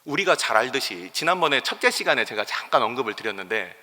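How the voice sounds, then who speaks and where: A male pastor preaching a sermon in a church, animated, acting out quoted complaints with his voice rising. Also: medium pitch, fast. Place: church sanctuary. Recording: long church hall reverb.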